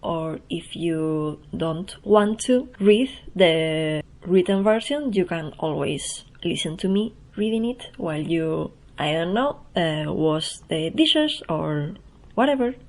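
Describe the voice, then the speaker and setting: Speaking slowly in a fairly low, animated voice, a Spanish woman for whom English is a second language opens her own podcast casually by reading from her newsletter. She writes the newsletter and hosts the show, and she comes across as soft-spoken, chatty and self-deprecating, often laughing at herself.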